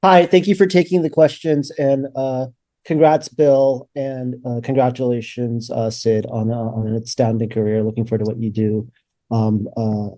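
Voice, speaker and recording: A man asking questions as a financial analyst on a conference call, with halting, hesitant phrasing. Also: mid-range voice, mellow.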